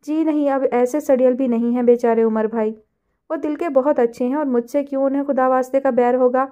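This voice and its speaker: A woman's voice: sits high, steady tone, warm tone, muffled recording, close to an everyday voice. A woman voicing a defensive, earnest young heroine in a storybook reading.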